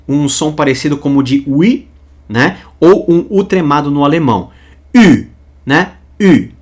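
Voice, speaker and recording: A man with a Brazilian Portuguese accent teaching a recorded lesson, slowing down to spell out sounds and examples. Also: on the high side.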